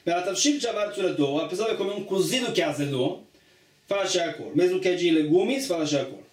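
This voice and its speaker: A man's voice: high voice, expressive, fairly quick. A man teaching a religious study lesson, reading a passage aloud and then explaining it plainly, often repeating himself. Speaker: Talmud teacher. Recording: echoey room, distant mic.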